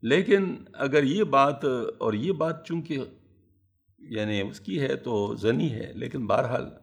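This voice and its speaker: A man preaching a sermon in a mosque, speaking calmly and unhurriedly into a microphone without shouting. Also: mid-range voice, vocal fry. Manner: calm, unhurried, deliberately not shouting. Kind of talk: Islamic sermon. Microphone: loudspeaker microphone.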